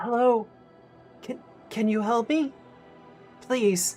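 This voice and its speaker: Faint music plays in the background of this put-on character voice. It is quiet and fairly high-pitched, with a very slow pace. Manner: pleading.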